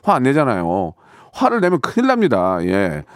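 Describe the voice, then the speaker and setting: Speaking at a moderate pace with a medium pitch that swings hugely, a middle-aged radio host keeps things playful and repetitive, reading out what listeners sent in. He slips into mock voices and sung fragments, captured echo-free on a studio microphone in the radio studio.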